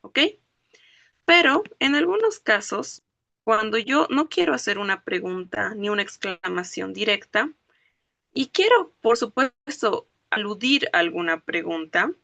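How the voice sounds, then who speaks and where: Woman teacher, slow careful delivery, gravelly edge, dry sound. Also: medium pitch, animated, bright, forceful tone, no echo. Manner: explains slowly, checks understanding with "¿ok?" and "¿no ve?". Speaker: language teacher. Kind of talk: classroom lecture.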